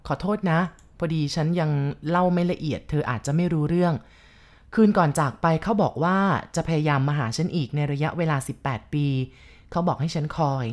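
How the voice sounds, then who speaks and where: A woman reading a novel aloud, voicing a gentle, lonely man in his forties who speaks slowly and calmly. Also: deep voice, lightly acted. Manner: slow, calm, subdued.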